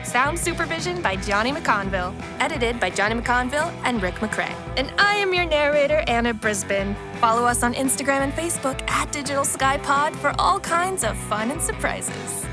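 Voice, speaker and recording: A woman's voice: high-pitched, animated, normal speed, few pauses. A woman narrator delivering scripted narration and commentary for an audio drama. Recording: music behind the voice.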